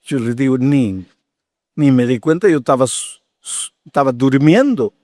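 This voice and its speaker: A man's voice: mid-range voice, expressive, normal speed, mellow, dry recording, studio quality. A man in his eighties preaching a sermon as pastor, telling a story with acted-out dialogue and building to fervent exhortation. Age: 80s.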